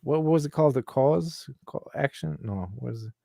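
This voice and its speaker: A man's voice: a little high, moderate pace, vocal fry, warm tone, no room sound, clean studio sound. A man hosting a casual crypto podcast, chatty and laughing often. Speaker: host.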